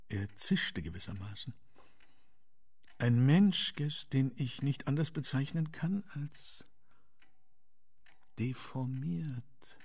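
A man playing a courteous but troubled Victorian gentleman in a radio play, speaking formally and deliberately. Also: mid-range voice, slightly rough, heavily acted. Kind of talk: German radio play acting.

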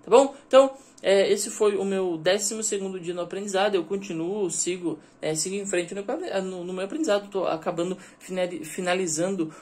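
A man's voice: sits high, fairly quick, hardly any pauses, a little mellow, a little hiss or hum. A man from Brazil, talking casually in an educational vlog and often checking in with the listener. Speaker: language-learning vlogger.

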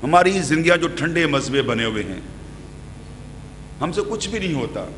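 A middle-aged male preacher with a high, bright, piercing voice, speaking into podium microphones. He questions his congregation and preaches with sweeping gestures. The sound rings with the long reverb of a church hall, over a faint hum. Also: sing-song, normal speed. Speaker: pastor. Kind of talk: sermon. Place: church hall with brick wall, indoors.

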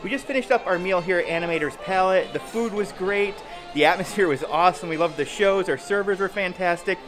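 A man co-hosting a casual travel vlog in an upbeat, relaxed way, filmed at arm's length in a cruise ship corridor. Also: high voice, a little fast, over music. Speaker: vlog co-host. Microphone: camera at arm's length.

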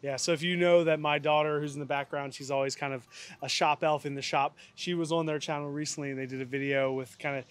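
A man's voice: on the high side, fairly even intonation, fast talker. Chatty bearded man filming outdoors. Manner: chatty, upbeat, loose with fillers. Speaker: channel host. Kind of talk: casual vlog chat and outro. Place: outdoors in a yard by an old camper.

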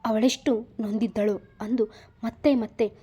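A woman reading a dramatic story aloud with expressive narration. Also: fairly high pitch, normal speed, husky.

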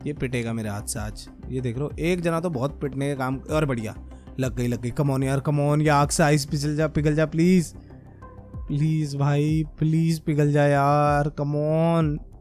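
A young man commenting on his own gameplay as a gaming creator, muttering as he works and then bursting into excited shouts. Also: mid-range voice, moderate pace, faint music behind. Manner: talks to himself and viewers, swings from muttering to excited shouts. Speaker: gaming YouTuber.

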